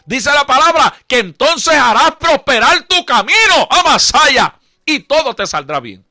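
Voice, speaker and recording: A Puerto Rican evangelist delivers a radio sermon in a forceful, high-pitched voice. He drives his points home with emphatic repetition and frequent chuckles. The sound is close and dry, with no room echo. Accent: Puerto Rican Spanish. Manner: emphatic, repetitive preaching cadence, chuckles often. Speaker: evangelist preacher. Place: radio studio.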